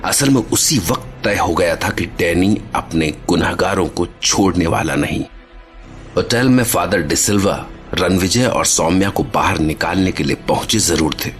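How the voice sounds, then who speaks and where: A man narrating a scripted horror story. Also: low voice. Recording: soft music bed.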